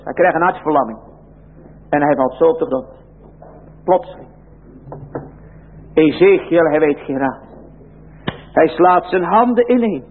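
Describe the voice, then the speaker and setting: A man's voice: fairly high pitch, slightly rough. A man preaching a sermon in an emphatic style, using old biblical phrasing. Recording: tinny lo-fi phone-like recording.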